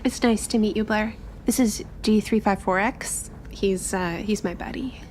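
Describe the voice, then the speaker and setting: A woman's voice: mid-range voice, normal speed, a little mellow, a little hiss or hum, lightly acted, poor audio. A woman playing an earnest, well-mannered girl in a tabletop game, speaking in a hesitant, courteous way. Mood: polite, shy. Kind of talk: tabletop roleplay.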